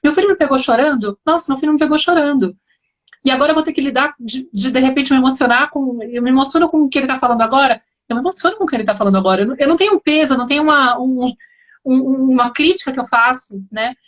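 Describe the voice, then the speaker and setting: High-voiced woman host. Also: rapid-fire. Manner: reflective, explaining, frequent "né" tags. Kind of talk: live online conversation.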